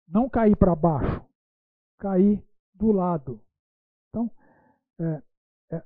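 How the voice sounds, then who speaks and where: A man whose voice sits high teaches a Bible school lecture without any echo on the recording. He frequently tags sentences with "né" and poses rhetorical questions, all captured with a dry, phone-like tinniness.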